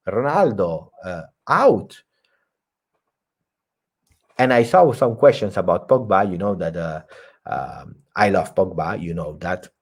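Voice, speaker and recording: A man's voice: lowish voice, darkish tone. A man hosting a live post-match football reaction stream, talking emphatically and reading viewer comments aloud. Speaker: football channel host.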